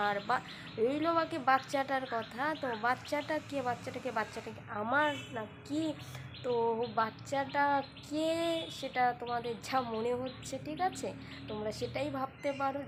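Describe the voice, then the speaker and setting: A woman's voice: high-pitched, noisy background. A young woman from West Bengal chatting casually in a daily vlog, talking to her viewers from home outdoors on a phone camera. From West Bengal, India. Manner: chatty, sing-song calling and coaxing. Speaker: vlogger.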